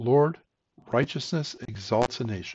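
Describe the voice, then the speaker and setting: Somewhat breathy male speech with lively intonation over a quiet background. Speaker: church prayer leader. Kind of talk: devotional reading followed by fervent prayer. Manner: earnest, solemn, fervent prayer tone; formal, measured devotional delivery. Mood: calm, solemn, earnest. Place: office. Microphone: headset.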